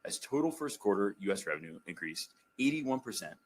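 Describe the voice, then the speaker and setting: A man with a fairly low voice reads out a scripted financial report. He is formal, measured and businesslike, like a finance executive on an investor call, over a faintly noisy recording. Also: very animated.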